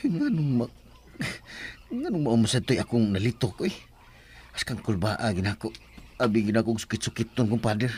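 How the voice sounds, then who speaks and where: An actor playing a flustered older village farmer in a Bisaya radio drama comedy, hesitant and rambling, with a Bisaya accent. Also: male voice, mid-range voice, very animated, normal speed, long pauses, a little mellow, a little hiss or hum, lightly acted. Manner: hesitant, stammering when nervous, rambling.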